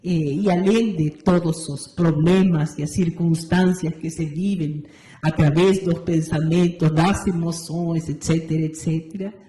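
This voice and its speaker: A woman's voice: deep voice, dark tone. Argentine woman in her sixties, reflective. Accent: Argentine Spanish. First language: Spanish. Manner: measured, thoughtful, frequent "não é certo" tag. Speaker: interview guest, meditation teacher. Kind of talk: reflective interview answers. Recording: roomy echo.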